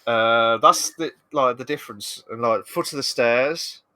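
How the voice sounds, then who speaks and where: A man's voice: medium pitch, unhurried, sharp tone, no echo. A man with a Black Country accent from the English West Midlands, chatting casually as a guest with lots of fillers and restarts. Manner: rambling, hesitant, many fillers. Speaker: podcast guest. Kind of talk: casual video-call chat.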